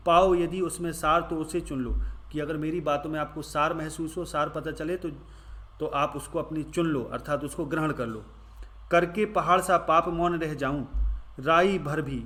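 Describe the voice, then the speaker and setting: Male tutor, slightly high voice, patient explainer who repeats points and checks in. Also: fairly bright tone. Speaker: teacher. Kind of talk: exam-prep lesson explaining a Hindi paper.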